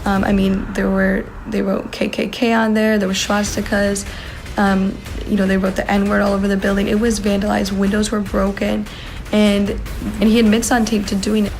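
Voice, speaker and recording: A woman's voice: medium pitch, flat delivery, normal speed, darkish tone, faint music behind. A woman earnestly testifying about her father's actions, speaking in short accusing bursts. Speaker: witness describing her father. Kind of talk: testimony in an interview.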